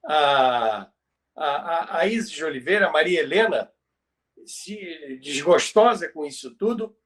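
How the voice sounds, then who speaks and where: Older Brazilian male storyteller, high-pitched, unhurried, halting, emphatic repetition. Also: expressive, fairly bright tone. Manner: emphatic, repeats phrases, halting delivery. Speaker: podcast host and storyteller. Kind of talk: conversational retelling of radio history.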